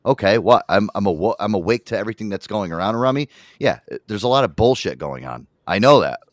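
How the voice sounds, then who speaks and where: A man's voice: on the low side, lively intonation, fast talker, no echo, studio quality. A man in his thirties hosting a casual podcast chat over a video call, rambling, swearing and laughing often. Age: 30s. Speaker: podcast host.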